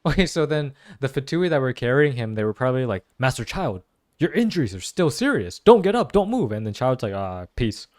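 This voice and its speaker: A young man giving casual, slangy play-through reactions as an excitable gaming fan. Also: medium pitch, brisk. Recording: game music behind voice.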